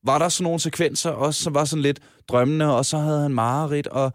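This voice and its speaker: A man's voice: on the high side, fairly even intonation, no room sound, clean studio sound. A man co-hosting a casual podcast about video games, talking in a hesitant way with many restarts. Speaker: podcast co-host.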